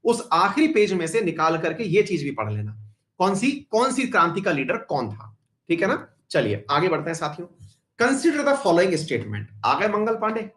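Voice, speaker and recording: Very animated and high-pitched, a bit bright, at normal speed, a man leads an online exam-prep history class. He keeps it chatty, questions his students, slips into side comments, and works English terms into what he says.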